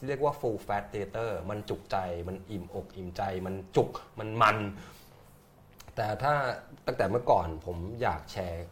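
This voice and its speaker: A man's voice: on the low side, unhurried, a bit bright. A man, a theatre director, talking casually in an interview, rambling and repeating words as he thinks aloud. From Thailand.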